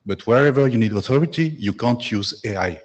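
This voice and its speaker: A man with a French accent making a measured, reasoned comment from the floor at a conference. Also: medium pitch, lively intonation. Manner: measured, reasoned argument with brief apologies. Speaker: audience member commenting at the microphone. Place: conference hall.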